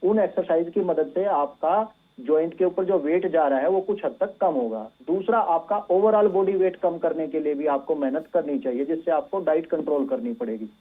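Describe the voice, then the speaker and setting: The sound is narrow and phone-like, carrying a man's fairly high voice. He is a medical expert on a call-in show, explaining patiently and instructively. His speech is sprinkled with English medical terms. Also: normal speed, slightly rough. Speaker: doctor, physiotherapy expert guest. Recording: thin phone-like band-limited line.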